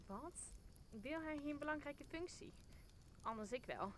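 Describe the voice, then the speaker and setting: A woman plays a cynical, scheming courtier in a Shakespearean audio drama. Her voice is fairly high and sardonic, full of needling quips. Faint background noise runs underneath. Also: animated, a little slow, a bit bright. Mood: sarcastic. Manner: sardonic, quipping.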